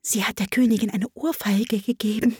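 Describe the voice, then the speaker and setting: A woman voicing a timid, nervous white rabbit who talks in quick, anxious whispers in a storybook reading. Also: on the high side, fairly even intonation, mellow, slightly rough, no echo, studio quality.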